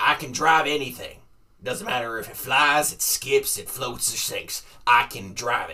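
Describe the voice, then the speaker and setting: The voice is a gruff, put-on character voice. It moves at a moderate pace. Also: man. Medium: actual play. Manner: gruff, irritable.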